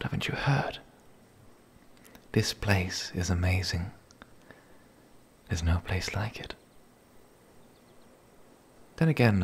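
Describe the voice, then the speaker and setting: A man playing a lonely, gentle, shy young werewolf in a whispered ASMR roleplay, speaking breathily, softly and haltingly. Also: full character voice. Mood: awed, curious. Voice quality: breathy whisper, low and creaky. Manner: hesitant, halting, soft-spoken.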